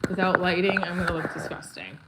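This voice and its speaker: Her voice lowish, animated and fairly quick, a middle-aged woman hosts a home live stream as a comedy performer and creator. Congested and stuffy-nosed, she rambles bluntly and candidly in a casual chat, over a noticeably noisy recording with clicks.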